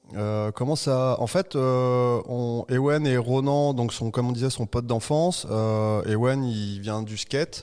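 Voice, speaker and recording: A man with a medium pitch and ordinary pitch variation talks at a very slow pace, with hardly any pauses. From Brittany, France. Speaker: surfer. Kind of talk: casual chat.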